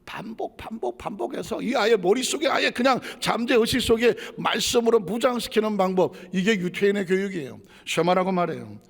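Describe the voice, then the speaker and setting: A middle-aged man preaching a sermon as pastor, dramatic, acting out God's voice in shouts and dropping to hushed asides. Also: high-pitched, animated, a little fast, gravelly, hardly any pauses. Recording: long reverb of a church hall.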